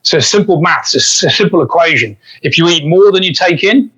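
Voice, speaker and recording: A man's voice: fairly high pitch, lively intonation, normal speed, a bit bright, breathy edge, dull audio. A man, a fitness coach chatting on a podcast and telling stories with frequent restarts. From England. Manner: chatty, self-correcting storyteller. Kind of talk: casual podcast storytelling.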